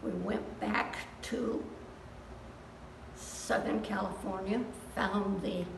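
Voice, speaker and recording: A woman with an American accent, at a very slow pace with long, frequent pauses, over noticeable background noise. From Iowa, USA. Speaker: quilt artist. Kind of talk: interview answer. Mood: proud, reflective. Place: hall. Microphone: camera far.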